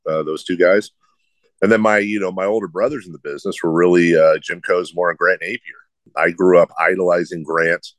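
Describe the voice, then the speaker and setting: A man's voice: deep voice, dry recording. A middle-aged man who hosts sports radio, with a slight lisp and a nasal, droning voice, answering interview questions in a rambling, self-deprecating way.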